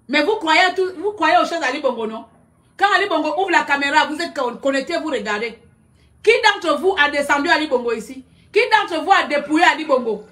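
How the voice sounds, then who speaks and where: A woman giving a loud, combative live-stream rant, shouting back at her viewers. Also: high-pitched. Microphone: computer webcam.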